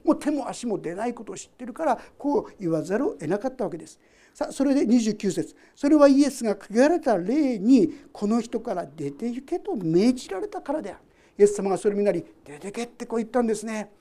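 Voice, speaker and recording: A woman pastor giving a sermon with a warm, mellow tone and a slightly high voice. Her pitch rises and falls a lot. She reads a passage of scripture and then unpacks it for the congregation, asking them questions as she goes. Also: animated, a little fast. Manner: conversational, addresses the congregation directly with questions.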